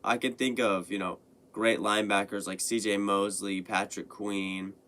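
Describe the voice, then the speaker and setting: A young man hosting his own sports podcast, talking casually and rambling with lots of fillers and restarts, his voice a little hoarse after being sick. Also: lowish voice, flat delivery, moderate pace, a bit bright, a little hiss or hum. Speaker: podcast host. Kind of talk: casual sports commentary monologue.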